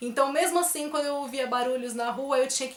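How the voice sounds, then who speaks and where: A woman's high voice at a fairly quick pace, fairly even in intonation, with audible room echo and noticeable background noise. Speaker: booktuber and author. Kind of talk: casual vlog talk. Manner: fast.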